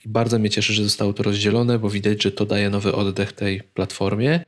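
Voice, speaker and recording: A man's voice: fairly low pitch, fairly even intonation, fairly quick. Opinionated man in casual tech chat. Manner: opinionated, talks in long stretches. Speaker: podcast co-host.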